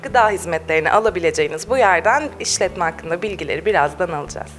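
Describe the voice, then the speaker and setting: A woman's voice: on the low side, animated. A young woman working as a TV reporter, delivering polished scripted questions into a handheld mic in a small cafe. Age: young adult. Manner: fast, polished presenter delivery. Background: faint music.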